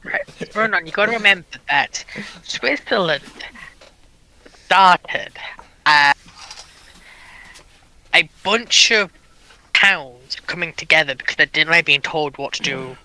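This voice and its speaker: A man's voice: a little high, lively intonation, slow pace, long pauses, bright, forceful tone, low-quality recording. A man joining a live stream chat, setting out his points firmly.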